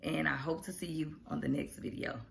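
Chatty middle-aged woman, lower voice, roomy kitchen sound, faint hum behind. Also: a little fast, vocal fry. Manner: chatty, encouraging, animated with hands. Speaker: vlogger. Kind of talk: casual vlog talk to camera. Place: home kitchen, indoors. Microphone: camera in front at arm's length.

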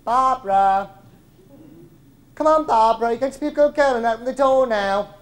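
A woman's voice: a little high, moderate pace, voice pushed up, close to an everyday voice. A storyteller voicing a patronising woman who coaxes someone in a sing-song, condescending manner. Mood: coaxing, patronising. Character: coaxing, patronising woman at a locked door.

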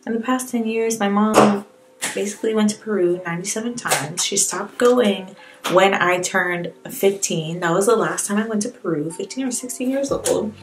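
A woman's voice: mid-range voice, poor audio. A woman in her twenties doing a casual makeup tutorial in a small room, talking candidly with wry, rambling self-mockery. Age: 20s. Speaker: beauty vlogger. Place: small indoor room with plain wall.

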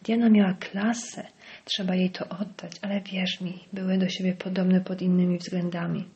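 A woman's voice: fairly low pitch, little pitch movement, moderate pace, warm tone, muffled recording, natural voice. A woman voicing a bitter, venomous middle-aged male village doctor in an audiobook, sneering and dropping into hissed whispers. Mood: spiteful. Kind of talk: audiobook character voice.

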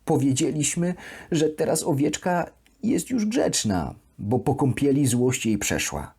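Lady playing a sweet naive toy duck telling a kids bedtime story, really slow, pitch swooping around, bit husky. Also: heavily acted. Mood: ashamed, earnest. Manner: expressive, deliberate storytelling. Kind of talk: children's bedtime audio story, diary narration.

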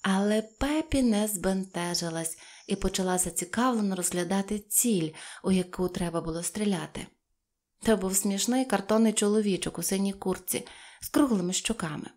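Woman audiobook narrator, gentle children's storytelling. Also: mid-range voice, normal speed. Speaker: audiobook reader.

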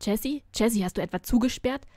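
A woman's voice: on the high side, quick pace, dark tone, no room sound, studio quality, close to an everyday voice. A woman reading aloud, voicing a worried, hurt mother who pleads and turns indignant.

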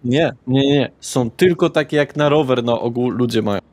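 A man narrating a tabletop role-playing game as game master, halting as he searches for words. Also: mid-range voice, darkish tone.

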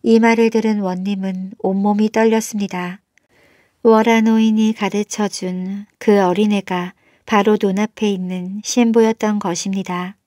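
A woman tells an old folktale for bedtime, reading from a script. Her voice sits at a middle pitch for a woman. The recording is dry, with no room around it. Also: little pitch movement, moderate pace, mellow, no room sound. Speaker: storyteller.

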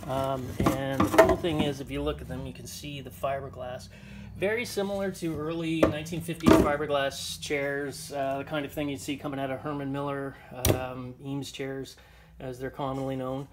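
An antiques dealer films a casual walkthrough vlog on a handheld phone, showing his finds in an indoor shop or barn with a tiled floor. He speaks at a moderate pace with a medium-pitched, steady voice, filling it with ums and uhs, and the phone recording is noisy.

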